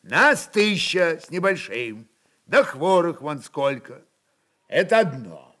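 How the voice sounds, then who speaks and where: A man voicing a serious, level-headed Cossack captain who reasons with a crowd in a deliberate, commanding way. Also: a little high, sing-song, sharp tone, a little hiss or hum, voice pushed up, exaggerated voice. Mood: sober, reasoning. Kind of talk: dramatic audiobook-style character reading.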